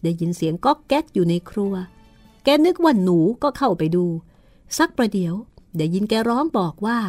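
A woman with a cold-roughened voice, voicing a polite, earnest male servant explaining to his masters. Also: mid-range voice, very animated, normal speed, a little mellow, faint music behind. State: hoarse from a cold.

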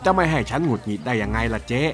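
A man's voice: mid-range voice, lively intonation, very fast, lightly acted. A man playing a grumpy, impatient old uncle in a children's radio drama. He scolds and blusters in rustic speech. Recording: music playing underneath.

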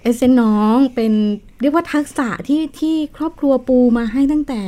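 Gentle woman host, slightly high voice. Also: moderate pace. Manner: attentive, gentle questioning with many backchannels. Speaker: show host, interviewer. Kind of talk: casual interview.

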